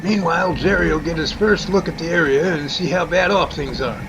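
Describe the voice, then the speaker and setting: A man puts on a gravelly, folksy professor for a homemade radio play. The voice is fairly high and creaky, wordy and enthusiastic in explanation. Loud background noise runs underneath. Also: fairly quick, natural voice. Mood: explaining. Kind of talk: amateur radio drama acting.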